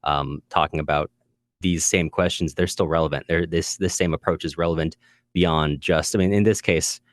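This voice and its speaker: A man's voice: rumbling low, steady tone, moderate pace, no echo. A man co-hosting a podcast, casually discussing literature and hesitantly repeating words as he thinks. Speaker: podcast co-host.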